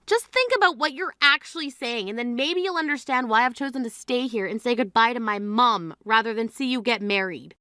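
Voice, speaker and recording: A woman acting out a blunt, exasperated grieving sister in a drama, scolding her sibling with a high, bright, sharp-edged voice. The sound is close and dry, with no room around it. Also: animated, fairly quick, few pauses, no echo.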